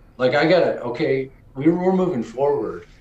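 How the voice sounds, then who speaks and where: A man speaks at a moderate pace. There is audible room echo. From Wyoming (Worland); Wyoming. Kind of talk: casual interview. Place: home room.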